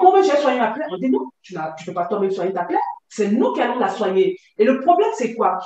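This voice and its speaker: High, lively woman in an echoey room. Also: slight background noise. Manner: vivid, animated retelling. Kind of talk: personal testimony. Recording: very echoey, distant from mic.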